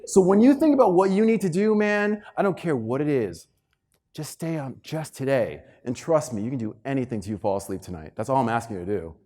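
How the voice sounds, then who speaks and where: Male keynote speaker, motivational storyteller, highly animated pitch, emphatic delivery, slips into acted-out dialogue. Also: brisk. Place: live talk before an audience.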